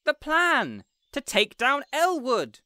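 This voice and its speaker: A man's voice: very high voice, wildly swooping pitch, takes it slowly, sharp tone, no room sound, clean studio sound, exaggerated voice. A man voicing an indignant, insecure young superhero in an audio roleplay, whiny, pompous and melodramatic. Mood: eager. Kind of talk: scripted audio roleplay acting.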